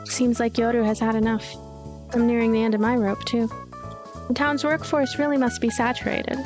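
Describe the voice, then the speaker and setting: Woman reading as weary, lonely, deadpan ghost girl. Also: on the high side, moderate pace, music in the background, natural voice. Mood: weary, gloomy. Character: lonely, gloomy, self-deprecating ghost girl narrator. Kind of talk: first-person story narration.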